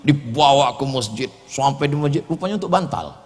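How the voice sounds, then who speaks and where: A man from Indonesia giving a humorous Islamic lecture, animated and joking, jumping between loud and soft. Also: medium pitch, fairly quick, long reverb tail, a little hiss or hum. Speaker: preacher.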